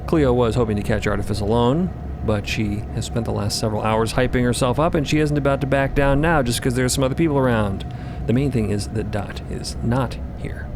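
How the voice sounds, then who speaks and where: A man reading scripted narration for a fantasy audio drama, over rumbling ambience. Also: brisk, background noise. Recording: rumbling outdoor-like ambience under voice.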